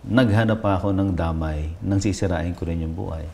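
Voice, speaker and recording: A man's voice: low voice, brisk, gravelly, darkish tone, slight background noise. A man, a pastor telling his personal testimony in a reflective way, switching between Tagalog and English. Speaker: pastor, interview guest.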